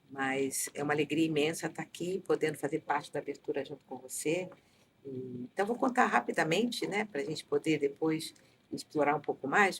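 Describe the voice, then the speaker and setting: A woman's very deep, low voice with lively intonation, at a moderate pace. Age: 60s. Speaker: city councillor. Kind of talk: interview.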